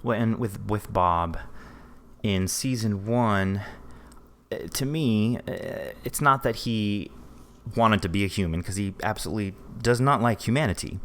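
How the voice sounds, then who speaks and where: A man's voice: lowish voice, unhurried, a bit bright. A man hosting a casual interview, agreeable and conversational as he builds on the other speaker's points. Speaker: podcast interviewer.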